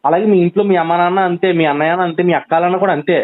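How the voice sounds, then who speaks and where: Man pleading fast over a phone line. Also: high voice, steady tone. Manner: pleading, insistent, rapid reasoning with many restarts. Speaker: friend on a phone call. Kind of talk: urgent pleading phone conversation. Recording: tinny phone line recording.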